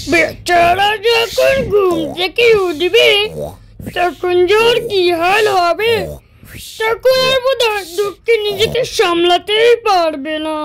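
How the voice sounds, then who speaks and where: A performer voicing a patient, determined tortoise in a children's cartoon, unhurried and calmly self-assured. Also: very high voice, a little hiss or hum, exaggerated voice. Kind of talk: children's moral-story cartoon dialogue.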